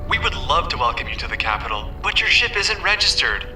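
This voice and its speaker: An actor playing a polite, officious port control announcer in an audio drama, speaking with scripted official courtesy. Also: male voice, medium pitch, big pitch swings, a little fast, sharp tone, reverberant, far from the mic, soft background music.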